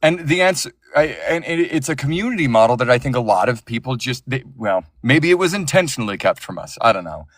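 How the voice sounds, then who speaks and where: A man's voice: medium pitch, very animated, fast talker, few pauses, no room sound, clean studio sound. A man who narrates audiobooks, talking passionately and with strong opinions in a casual interview, often restarting his sentences.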